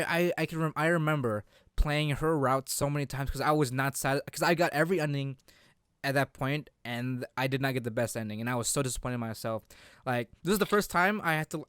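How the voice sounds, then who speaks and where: A man hosting a casual podcast chat about games, halting as he repeats and rephrases himself. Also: mid-range voice, fairly bright tone, clean tone, no room sound, clean studio sound. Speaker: podcast host.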